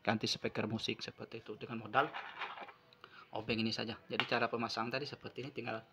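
This is a male phone repair presenter at an indoor wooden table, speaking at medium pitch with a flat, creaky delivery and a fast pace. He explains his unscripted hands-on repair step by step, repeating himself often, with background noise audible.

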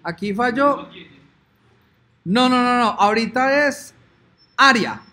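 This man's voice is extremely high-pitched, slow, bright and forceful, with lively intonation. He's a programming instructor recording his screen as he works through code, chatting, thinking out loud and humming "ta ta ta" during pauses.

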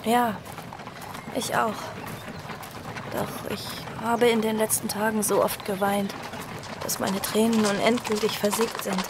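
A woman playing a young survivor who tells her own story in an audio drama, earnest, sorrowful and measured. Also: medium pitch, level tone, background noise, natural voice. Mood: subdued. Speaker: narrator and protagonist. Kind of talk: audio drama first-person narration.

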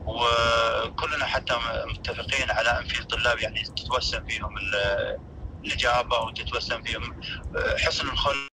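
A man, a former teacher on a phone call, speaking slowly and measured with many hesitations. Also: mid-range voice, fairly even intonation, noisy background. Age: 50s.

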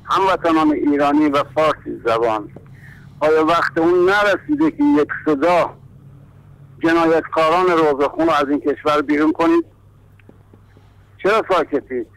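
A man's voice: fairly high pitch, sing-song, vocal fry, pauses often, fairly bright tone, low-quality recording. A man calling in to a talk show with an impassioned, accusing rant. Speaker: caller. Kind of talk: call-in comment.

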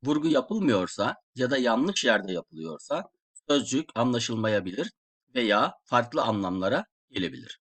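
A man giving a slide-based language lesson, explaining slowly and repeating example words aloud. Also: mid-range voice, big pitch swings, fairly bright tone. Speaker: Russian language teacher.

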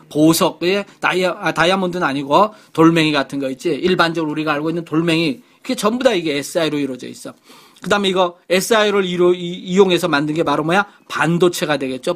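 A man's voice: a little high, fairly bright tone. A man teaching a middle school science lecture online in a chatty way, repeating key words and checking in with rhetorical questions.

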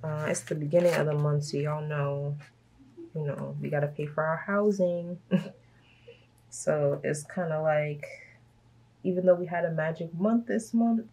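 A woman from Brooklyn, hoarse from a cold, chatting casually and laughing often as she talks through her budget. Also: deep voice, a little slow, pauses often, dark tone, low-quality recording. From Brooklyn, New York. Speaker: budgeting vlogger. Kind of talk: casual chat while stuffing cash envelopes.

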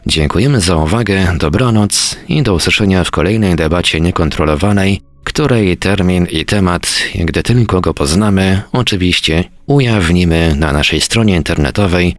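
A man's voice: low-pitched, normal speed, dry recording. A man presenting the close of a radio talk show as its host.

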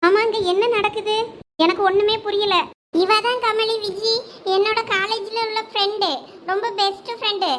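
A woman voicing a very high, bossy village wife. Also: a bit bright, a little hiss or hum. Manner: bossy, teasing and chatty. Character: lively young village wife and her friends. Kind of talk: dubbed village comedy drama.

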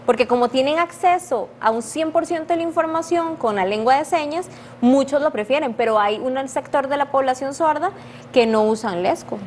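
A young woman with a Costa Rican accent, a sign language interpreter, explaining things clearly as a guest in a studio interview. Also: high-pitched, moderate pace, a little mellow, slight background noise. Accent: Costa Rican Spanish. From Costa Rica. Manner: clear, explanatory, laughs easily. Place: dark studio set with armchairs. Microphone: lapel mic.

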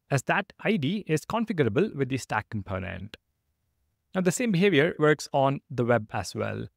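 A man narrating a scripted programming tutorial as an instructor, explaining clearly step by step. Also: fairly high pitch, no room sound, studio quality.

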